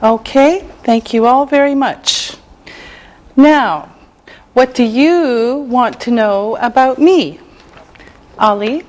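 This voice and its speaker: A middle-aged woman from Canada teaching English in a scripted lesson, pronouncing every word slowly and carefully. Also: a little high, darkish tone. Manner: slow, carefully enunciated.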